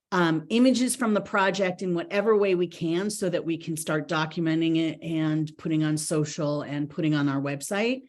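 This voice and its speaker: A woman's voice: on the low side, darkish tone. A woman presenting a grant report to a board in an online meeting, chatty with many ums and restarts. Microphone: video call.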